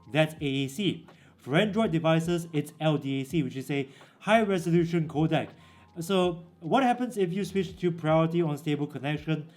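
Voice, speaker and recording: A man's voice: fairly high pitch, darkish tone. A man who reviews tech gear, walking through product settings in a casual, direct way. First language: English. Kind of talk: product walkthrough.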